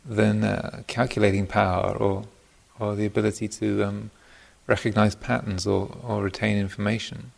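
A man with a fairly low voice full of heavy creak gives an informal talk as a meditation teacher. He is thoughtful and hesitant, often pausing in mid-phrase as he works toward his wording. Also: little pitch movement. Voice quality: gravelly, creaky voice. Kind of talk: informal dharma talk to a retreat group. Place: meditation retreat center.

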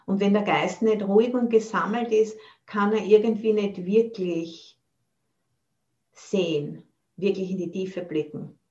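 A woman's medium-pitched, slightly mellow voice comes through lo-fi audio, a little slow, as she gives a Buddhist dharma talk over video. She is a nun teacher from Austria who reflects carefully, looks for the right words, and uses some English phrases.

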